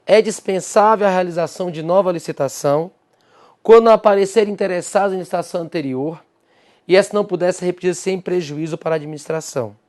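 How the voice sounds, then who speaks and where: A man's voice: high-pitched, fast talker, a little mellow. A man with a Brazilian Portuguese accent teaching an exam-prep lecture, explaining step by step and answering his own rhetorical questions to an imagined student.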